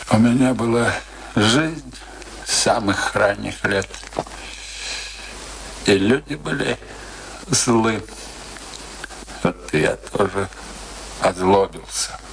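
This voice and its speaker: An embittered middle-aged husband in a radio drama. His voice is low and creaky, and he speaks very slowly with pensive pauses and cool cynicism. A faint noise sits under the recording. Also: expressive, a bit bright, full character voice, low-quality recording. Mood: weary, bitter. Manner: slow, halting, pensive delivery. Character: embittered, cynical, world-weary husband confessing coolly. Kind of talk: theatrical radio play dialogue.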